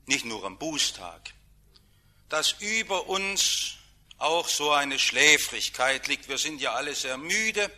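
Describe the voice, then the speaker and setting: Bright-voiced man preaching a sermon. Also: a little high. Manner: emphatic, dramatic swings in loudness.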